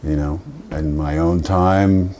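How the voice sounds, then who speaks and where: A man with a notably deep, low voice talks in an easygoing, unhurried way. His sentences drift and trail off, peppered with "you know", as he chats as a guest. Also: steady tone, dark tone. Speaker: guest musician. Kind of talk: casual conversation.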